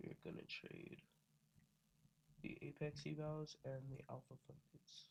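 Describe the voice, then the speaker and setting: A man speaks fairly slowly in a somewhat breathy, fairly high voice with long, frequent pauses. His intonation stays monotone and flat. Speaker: day trading livestreamer. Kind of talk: live trading stream chat. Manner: casual.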